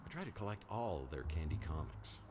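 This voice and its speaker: An actor playing a wry, world-weary private detective in an adventure game, musing sardonically to himself in noir style. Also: male voice, a bass voice, lively intonation, fairly quick, warm tone, faint music behind.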